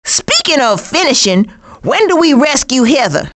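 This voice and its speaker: A woman's voice: sits high, big pitch swings, normal speed, a bit bright. A woman voicing a sassy, streetwise female skunk with an American accent and slangy, emphatic delivery for a cartoon video game. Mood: sassy, confident. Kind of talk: animated video game voice lines.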